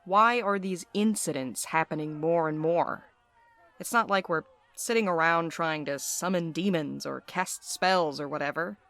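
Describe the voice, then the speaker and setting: A woman's voice: deep voice, a little slow, a bit bright. A woman playing a blunt, sarcastic courier in an audio drama, with a dry manner. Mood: bitter, sardonic. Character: sardonic, blunt, foul-mouthed courier.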